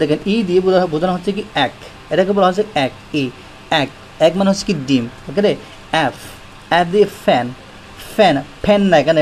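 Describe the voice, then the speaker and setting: A man's voice: high voice, a little hiss or hum. A man with a Bangladeshi Bengali accent teaching a beginner English lesson, repeating each word and checking in with his viewers often. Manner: repeats words, frequent "ঠিক আছে?" check-ins.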